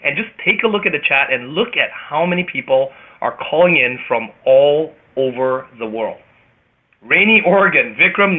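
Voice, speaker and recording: A man with a Canadian accent hosting a motivational group conference call, speaking emphatically and theatrically with dramatic pauses. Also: mid-range voice. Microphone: phone or web conference call. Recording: tinny phone-line radio sound.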